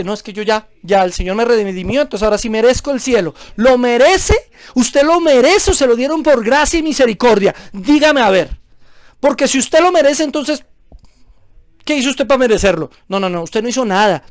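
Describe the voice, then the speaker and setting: A man's voice: extremely high pitch, animated, fairly quick, no echo, studio quality. A man preaching a sermon as a pastor, emphatic and full of rhetorical questions.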